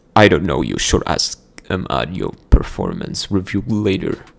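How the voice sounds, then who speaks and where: A man puts on a character voice with a very deep, low pitch. His pace is moderate. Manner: mean, sneering.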